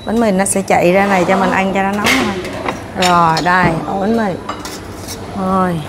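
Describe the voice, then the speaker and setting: A food vlogger in her thirties chats casually on a clip-on lapel mic as she walks through a hotel breakfast buffet, narrating while serving herself food. Her voice is medium-pitched and steady at a normal speed, with heavy background noise from clinking dishes and cutlery.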